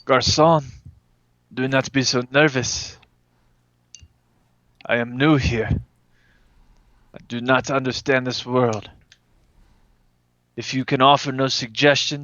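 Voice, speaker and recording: A man's voice: medium pitch, fairly even intonation, slow pace, pauses often, fairly bright tone, no room sound, muffled recording. A man voicing a proud, formal plant creature who speaks stiffly with French words sprinkled in, during a tabletop game. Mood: stern, demanding.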